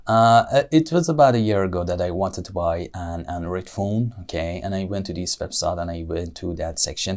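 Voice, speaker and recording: A young man whose first language is Persian, answering speaking-test questions in English with a Persian accent, pausing often on "uh" and correcting himself as he goes. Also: deep voice, gravelly, darkish tone. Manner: thoughtful, with frequent "uh" and self-corrections. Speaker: IELTS speaking test candidate. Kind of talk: exam-style spoken answers.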